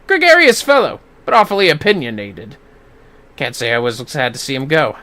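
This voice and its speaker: A game streamer puts on a composed fantasy townsperson. The delivery is formal, measured and wry, a little dismissive, with lively pitch movement. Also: male voice. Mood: dry, dismissive.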